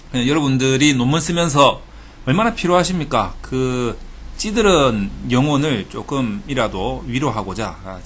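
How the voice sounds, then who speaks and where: Man, casual statistics lecture, animated rising and falling pitch, faint background hiss. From Busan, South Korea. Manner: chatty, with filler sounds and playful dad jokes. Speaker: research institute director teaching thesis statistics.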